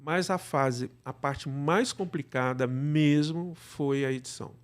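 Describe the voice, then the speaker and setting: A man with a Brazilian accent answering interview questions conversationally, explaining in a halting way and often checking with the listener. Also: fairly high pitch. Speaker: podcast guest, radio drama producer.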